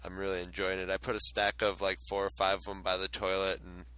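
A man's voice: low-pitched, monotone, fast talker, bright, forceful tone, clean tone, poor audio. A man co-hosting a podcast in casual chat, talking in a jokey, rambling way. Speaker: podcast co-host.

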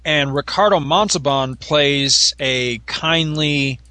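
Bright, chatty middle-aged man. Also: a little high, takes it slowly, no echo. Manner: chatty, nostalgic, rambling with fillers. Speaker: podcast co-host. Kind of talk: casual chat.

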